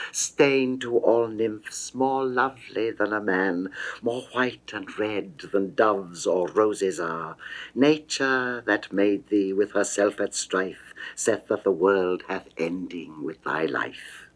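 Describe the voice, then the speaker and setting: A man's voice: lowish voice, slow pace, fairly bright tone, low-quality recording. A man voicing an amorous, coaxing goddess in a theatrical, lingering 1960s dramatic reading of verse. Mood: admiring, adoring. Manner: theatrical, lingering, ornate delivery.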